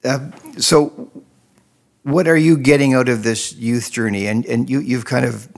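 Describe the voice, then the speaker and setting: A man's voice: mid-range voice, fairly even intonation, a little slow, creaky. A male podcast host who interviews a guest, encouraging him with frequent affirmations. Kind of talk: interview hosting.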